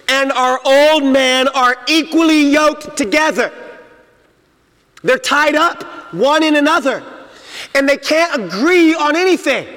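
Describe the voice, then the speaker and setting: High-voiced preaching pastor in a reverberant hall. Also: male voice, fairly bright tone. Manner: emphatic preaching, acts out inner voices. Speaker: senior pastor. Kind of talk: sermon. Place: church sanctuary.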